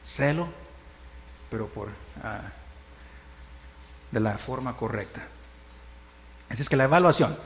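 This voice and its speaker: A man's voice: mid-range voice, animated, a little slow, long pauses, fairly bright tone. A man preaching a conversational sermon, often asking "right?" and chuckling. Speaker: pastor. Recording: reverberant hall, faint noise.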